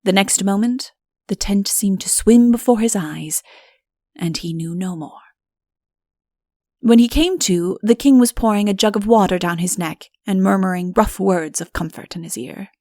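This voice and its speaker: A woman's voice: medium pitch, normal speed, darkish tone, dry recording, studio quality. A woman reading a comic fairy-tale audiobook as a scripted narrator.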